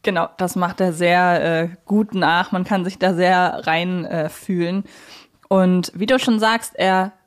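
A woman's voice: fairly low pitch, fairly even intonation, slow pace. A woman hosting a podcast in a casual, chatty, informal way. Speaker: podcast host. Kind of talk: casual chat, podcast discussion.

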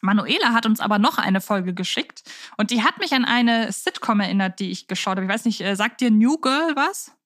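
A woman's voice: medium pitch, animated, brisk, fairly bright tone, no echo, clean studio sound. A woman co-hosting a podcast in a conversational, reflective way, explaining things in detail. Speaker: podcast co-host.

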